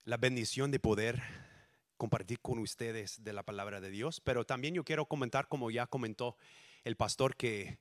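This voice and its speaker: A man from the United States, a native English speaker, preaching a sermon in halting, self-correcting Spanish with lively storytelling. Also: medium pitch. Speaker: guest preacher.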